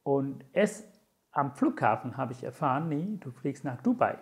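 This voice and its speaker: A man's voice: mid-range voice, lively intonation, normal speed. A man in his forties from Sri Lanka, a native Tamil speaker, telling his story as an interview guest in an earnest, reflective way with many hesitant fillers. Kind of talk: conversational storytelling.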